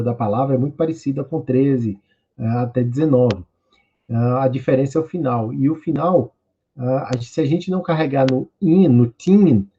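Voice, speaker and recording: A man from Brazil teaching an online English class, slow and patient, drilling words for students to repeat. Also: mid-range voice, mellow, slightly rough. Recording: dull lo-fi audio.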